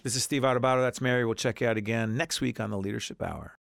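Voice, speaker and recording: A man's voice: medium pitch, fairly even intonation, very fast, creaky, a bit bright, smooth. Congested man hosting a talk show. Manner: chatty, jokey, interrupting. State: congested with a cold. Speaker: show host. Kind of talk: casual studio talk show chat. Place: TV studio.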